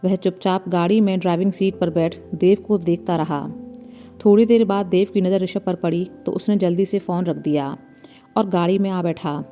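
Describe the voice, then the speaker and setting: A woman narrating a storybook in a calm, even storytelling manner. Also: fairly low pitch, normal speed. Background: faint background music.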